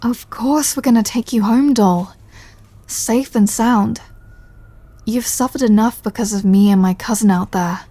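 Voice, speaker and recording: A woman's voice: a little high, a little slow, mellow, no room sound. A British woman playing an apologetic, sardonic mafia boss with a protective, flirty streak in an ASMR audio roleplay. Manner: dry, sardonic, sighing, exasperated. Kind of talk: ASMR audio roleplay, close scripted acting.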